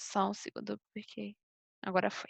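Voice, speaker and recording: A woman's voice over a quiet background. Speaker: medical student presenter. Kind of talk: online lecture. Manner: fast; halting, many restarts.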